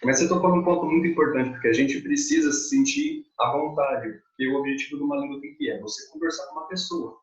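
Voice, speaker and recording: A man's voice: a little high, animated, fast, few pauses, roomy sound, muffled recording. A man with a Brazilian Portuguese accent hosting a casual interview over a video call, encouraging and explaining at length. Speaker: interviewer, channel host.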